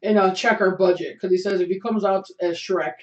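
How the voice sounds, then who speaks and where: Hoarse joking man, echoey lo-fi webcast. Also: sits high, fairly even intonation, fairly quick. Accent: Chicago. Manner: joking, teasing banter. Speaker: podcast co-host. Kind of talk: casual chat. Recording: echoey room, dull lo-fi sound.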